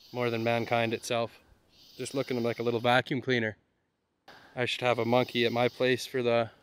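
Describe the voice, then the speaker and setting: Hiking through a rainforest with a handheld camera, a man narrates his solo travel vlog in a relaxed way, cracking jokes to himself. He speaks in a mid-range, fairly bright voice, and the recording carries a little hiss or hum.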